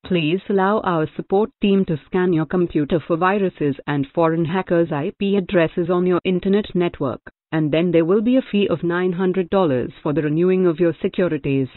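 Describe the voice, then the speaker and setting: A woman's voice: on the low side, moderate pace, few pauses, dry recording. A robotic text-to-speech voice playing an overly polite woman phone scammer. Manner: formal, overly polite sales patter. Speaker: scam caller. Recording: phone-like narrow band.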